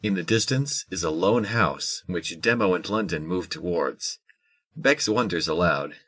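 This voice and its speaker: A man narrating a scripted audio drama in a measured, descriptive storytelling manner. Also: low voice, a bit bright, dry recording.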